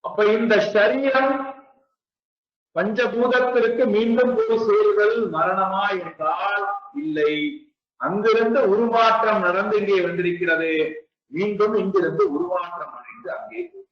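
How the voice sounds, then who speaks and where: A man giving a spiritual discourse, speaking slowly and deliberately and repeating his rhetorical questions. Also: high-pitched, lively intonation. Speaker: spiritual teacher. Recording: echoey, distant, dull lo-fi sound.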